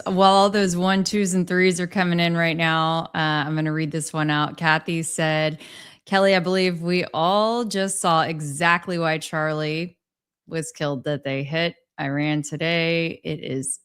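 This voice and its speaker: A woman's voice: sits low, fairly even intonation, measured pace, smooth. A woman hosting a livestream, speaking in a casual, conversational way. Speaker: livestream host.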